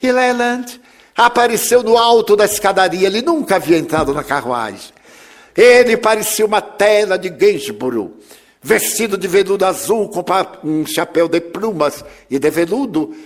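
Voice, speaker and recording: A man telling a story in an expressive, theatrical way, acting out the characters. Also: high-pitched, normal speed. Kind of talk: dramatic storytelling.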